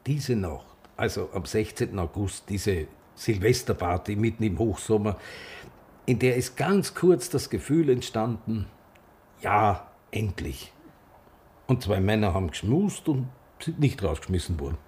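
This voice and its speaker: A man's voice: lowish voice, lively intonation, unhurried, darkish tone. An actor playing an embittered older Viennese gay man reminiscing in a naturalistic radio drama, speaking emphatically. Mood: wistful.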